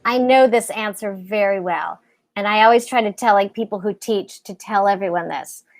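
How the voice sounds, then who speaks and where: A woman with a squeaky, high voice giving encouraging career advice on a video call, laughing often. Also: normal speed. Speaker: guest actress.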